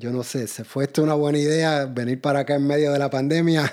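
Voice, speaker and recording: Here is a normal speaking voice. Its intonation remains fairly even throughout. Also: man. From Puerto Rico, west coast (Aguada). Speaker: teacher. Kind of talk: interview.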